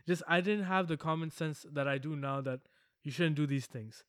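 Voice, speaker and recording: A man's voice: fairly high pitch, normal speed, a bit bright, no room sound, studio quality. Laughing, rambling young-sounding man. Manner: laughs often, swears, rambling storytelling. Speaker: podcast co-host. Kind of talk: casual chat.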